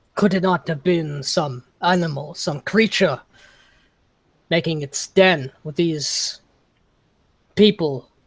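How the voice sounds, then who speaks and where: The speaker uses a put-on character voice at a middle pitch. The delivery is fairly slow, with long, frequent pauses. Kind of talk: formal samurai speech. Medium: actual play. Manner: measured, formal.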